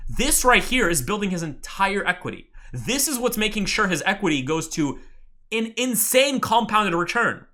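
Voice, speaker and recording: Mentor type, excitable and swears freely; bright, forceful tone with big pitch swings. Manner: excitable, bursts into loud exclamations, swears often. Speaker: trading mentor. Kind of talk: live webinar teaching.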